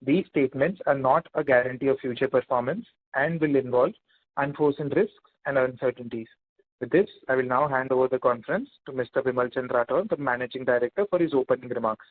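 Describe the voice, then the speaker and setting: A man's voice: mid-range voice, fast, phone-quality sound. A man moderating a conference call, reading from a script in a formal introduction style. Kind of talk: scripted disclaimer and handover. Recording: thin telephone conference line.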